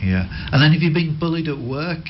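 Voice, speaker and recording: A man hosting a radio station interview in the studio, asking gentle, rambling questions with many restarts. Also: a little high, expressive, brisk, highs cut off, a little hiss or hum. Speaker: radio host.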